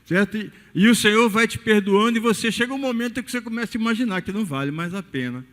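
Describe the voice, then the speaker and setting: A high-pitched man preaches a sermon, his voice rising and falling in wide swings as he asks the congregation rhetorical questions. His voice rings out through the long reverb of a large cathedral hall. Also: fast, a bit bright. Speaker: pastor. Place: cathedral during evening service.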